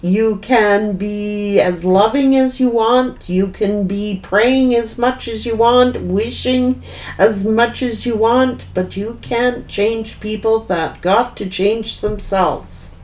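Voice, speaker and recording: Blunt, slow-talking woman tarot reader. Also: on the high side, darkish tone. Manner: blunt, scolding, emphatic with mild swearing. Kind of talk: tarot reading to camera.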